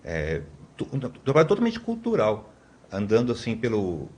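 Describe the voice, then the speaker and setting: A man's voice: fairly low pitch, wildly swooping pitch, moderate pace, darkish tone. A man in his fifties from Brazil, a podcast guest telling long stories in a rambling way, with many tag questions and restarts. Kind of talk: conversational storytelling.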